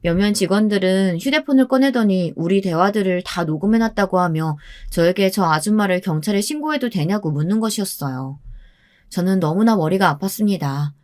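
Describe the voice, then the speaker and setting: A woman's voice: mid-range voice, lively intonation, fairly quick, darkish tone. A woman giving a scripted first-person narration of a radio story, told steadily.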